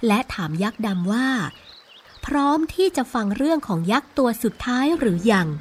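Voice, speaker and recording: A woman's voice: on the high side, lively intonation, moderate pace, a little mellow. A woman narrating a scripted story for young children as the storyteller.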